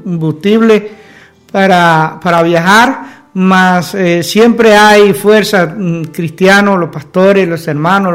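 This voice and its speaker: High-voiced Cuban man, halting delivery. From Cuba. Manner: halting, pausing mid-sentence. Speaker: pastor and missionary guest. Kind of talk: testimony in an interview.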